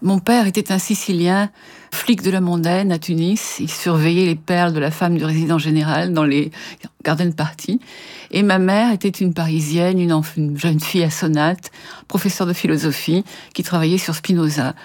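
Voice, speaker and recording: A woman with a lowish voice answers an interview as a literary translator. She tells her stories in an articulate, lively way, pausing now and then to find her words. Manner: articulate, lively storytelling with hesitations.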